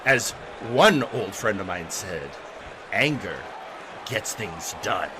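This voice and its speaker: A man voicing a sinister, calm dark lord who urges on anger in a measured, menacing manner. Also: on the low side, background noise, pitched below the performer's own voice.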